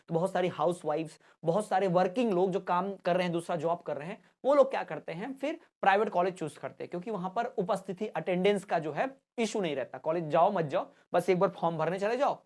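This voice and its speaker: A man from Madhya Pradesh hosting an education channel, explaining in a chatty, casual way and often checking in with his listeners. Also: sits high. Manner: chatty, keeps checking in with listeners and addressing them as brother.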